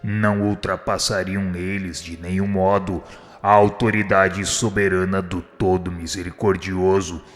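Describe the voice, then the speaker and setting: A man's voice: sits low, flat delivery, a little slow. An actor playing a kind, humble spirit instructor in a radio drama, solemn and eloquent as he pleads. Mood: solemn persuasion. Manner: solemn, supplicating, formal and eloquent. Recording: long hall reverb, music underneath. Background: music.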